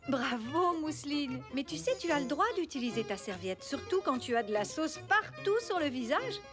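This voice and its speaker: A woman's voice: high-pitched, lively intonation, moderate pace. A woman voicing a patient, caring mother in a French children's cartoon. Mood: gentle, reassuring. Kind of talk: dubbed children's cartoon acting. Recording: music behind the voice.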